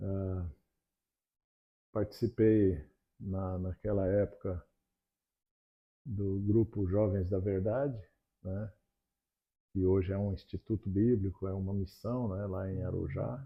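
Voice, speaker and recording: A man speaks at a very slow pace with long, frequent pauses, his voice somewhat breathy and his intonation fairly even. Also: fairly low pitch for a man. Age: 70s. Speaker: elder church member, mentor. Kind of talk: casual interview testimony.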